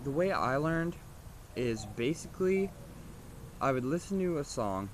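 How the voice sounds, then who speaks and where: A man's voice: mid-range voice, unhurried. A man giving a casual, loosely explained how-to lesson as a vocal instructor, in an informal, repetitive way. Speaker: vocal screaming tutorial instructor. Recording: noisy homemade recording, steady background noise.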